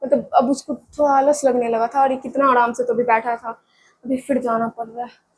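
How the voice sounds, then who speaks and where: A woman teacher reads a story aloud to her students in a high voice. She often pauses to retell passages in simple everyday words and to check that the class is following. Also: little pitch movement, husky. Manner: breaks in with plain-speech explanations and check-ins. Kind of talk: reading and explaining a story for students.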